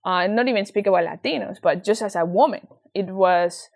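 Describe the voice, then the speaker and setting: A young woman from Venezuela with a Venezuelan Spanish accent, talking as an interview guest with earnest, animated storytelling. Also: medium pitch, fairly quick. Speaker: guest, nonprofit founder. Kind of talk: casual interview chat.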